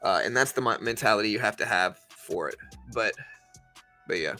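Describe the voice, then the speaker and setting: A man's voice: fairly low pitch, expressive, moderate pace, pushed and bright, faint music behind. A man hosting a livestream, casually commenting on the stock market and explaining things conversationally as he answers viewers. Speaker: livestream host.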